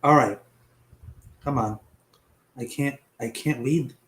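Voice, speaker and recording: A man's voice: medium pitch, takes it slowly. Chatty man hosting with a cough. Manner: chatty, swears casually, stumbles over names. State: has a cough, voice partly lost. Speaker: host. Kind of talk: casual web show narration.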